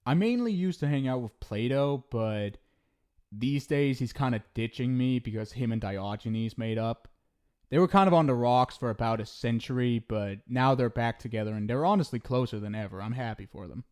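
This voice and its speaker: Guy acting as a centuries old ghost soulmate, asmr roleplay, soft warm dark voice, kinda awkward and sweet, reassuring. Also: mid-range voice, moderate pace, natural voice. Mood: wry, amused. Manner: casual, hesitant, tender, reassuring. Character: affectionate centuries-old ghost soulmate, reclusive, wryly philosophical. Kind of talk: intimate ASMR roleplay monologue.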